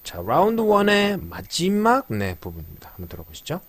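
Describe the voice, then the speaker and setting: A man teaching English pronunciation in a lecture, explaining patiently, slowly repeating phrases to show stress, with frequent short fillers. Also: sits high, huge pitch swings, fairly bright tone. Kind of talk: spoken language lecture.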